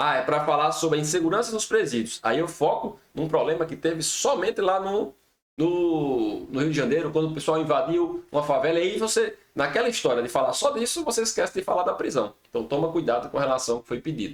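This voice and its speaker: A man's fairly high-pitched voice with lively intonation and hardly any pauses. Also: fairly quick pace. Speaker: teacher for public exam preparation. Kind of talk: tutorial. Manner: fast.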